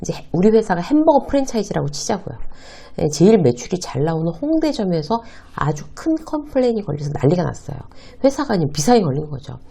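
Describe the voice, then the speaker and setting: A woman teaches in a lively, up-and-down voice with a gravelly edge. Her tone is warm and mellow. She poses questions and answers them herself, as if in conversation. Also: on the low side, fast. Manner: acts out short quoted exchanges. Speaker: workplace advice host. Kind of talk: talk-style lesson to viewers.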